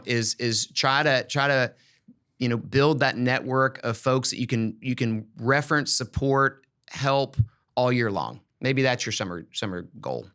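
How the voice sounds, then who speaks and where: A man's voice: mid-range voice, a bit bright, smooth. A man hosting a podcast, giving casual advice and often repeating words as he thinks aloud. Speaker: podcast host.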